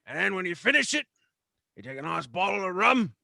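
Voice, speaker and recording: Swaggering pirate captain , improvised by a man, higher-pitched and creaky, comic halting patter, dry close sound. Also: sing-song, pushed and bright, dry recording, exaggerated voice. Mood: swaggering, salesy.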